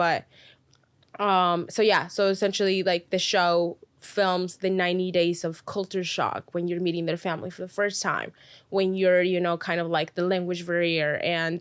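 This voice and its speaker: Recorded very cleanly against a silent background, a woman with a Spanish accent speaks at a moderate pace in a fairly low, monotone, flat voice. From Mexico. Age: 20s. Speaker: reality TV personality and model. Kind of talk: podcast interview. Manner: hesitant, many fillers.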